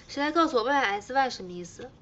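A woman's voice: sits high, animated, a little fast, muffled recording, slight background noise. A young woman hosting a casual livestream, teasing her fans playfully and repeating herself as she chats. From China. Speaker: idol livestream host.

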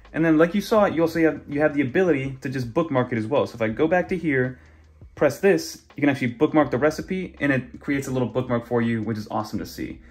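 A young man casually walking through tablet browser features in a chatty, conversational way. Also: medium pitch. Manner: chatty, conversational, many fillers. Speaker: tech YouTuber. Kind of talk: casual screen walkthrough.

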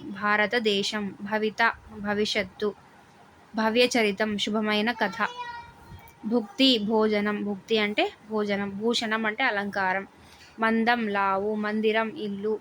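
A woman's voice: mid-range voice, fairly bright tone, a little hiss or hum. A woman teacher reads out word meanings for exam study, repeating each one and often checking in with the class.

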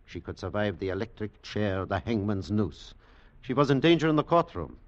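An actor playing a grave, world-weary older German scientist in a 1940s radio drama, speaking deliberately. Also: male voice, lowish voice, very animated. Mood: grave, foreboding. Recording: muffled 1940s radio broadcast.

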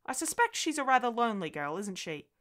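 A woman narrator plays an old male family doctor in an audiobook. The voice is bright, with a measured delivery. He explains things calmly and kindly, always reassuring. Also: fairly high pitch, pitched above the performer's own voice. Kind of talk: audiobook character voice.

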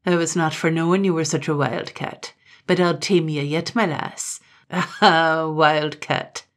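A woman doing a gloating, black-hearted Highland man. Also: steady tone, moderate pace, natural voice. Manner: gloating, low menace.

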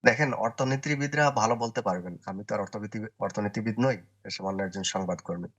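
Male correspondent, low voice, unhurried commentary full of "uh" pauses and restarts. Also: fairly bright tone. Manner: deliberate, with frequent "uh" pauses and restarts. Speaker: newspaper correspondent giving commentary. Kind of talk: opinion commentary in a TV interview.

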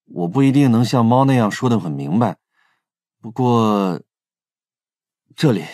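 An actor in a Chinese audio drama playing a candid, protective younger brother who confides hesitantly and earnestly. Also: male voice, medium pitch, expressive, unhurried, a little mellow, no room sound, clean studio sound, lightly acted. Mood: earnest, subdued.

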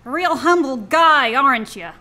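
A plucky young female club singer, played by an actress in an old-time radio play. Her voice is extremely high and bright. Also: animated, normal speed. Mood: coaxing, tart.

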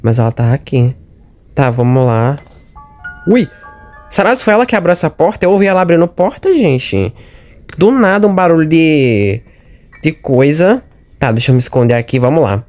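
A man's voice: on the high side, very animated, normal speed, long pauses, a little mellow, faint music behind. A man with a Brazilian accent giving chatty let's-play commentary on a horror game, talking straight to his viewers and jumpy at every scare. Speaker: gaming channel host.

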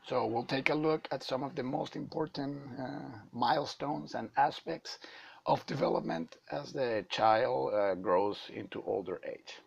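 A man with a hoarse voice from a flu, giving a halting lecture over slides to medical students. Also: medium pitch. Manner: halting, many uh fillers. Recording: dull lo-fi.

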